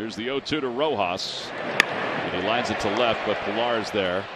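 A man's relaxed tone at a moderate pace, ordinary pitch variation, dry sound with no echo, and loud background noise. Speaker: baseball play-by-play announcer. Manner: conversational and relaxed between pitches. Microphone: headset.

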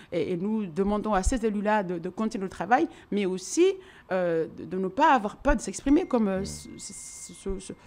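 Here a woman talks with lively intonation. Her pace stays moderate. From Mayotte. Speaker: activist collective president; interview guest. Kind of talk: TV interview. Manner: halting. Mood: earnest, concerned, firm. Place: studio. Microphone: studio mic.

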